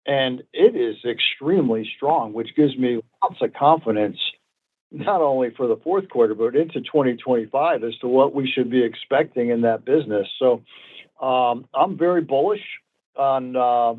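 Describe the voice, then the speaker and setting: A man's voice: mid-range voice, moderate pace. A man, a company executive, answering analysts on an earnings call in a confident, emphatic way, repeating points for emphasis. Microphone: phone conference call. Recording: tinny narrowband phone conference line.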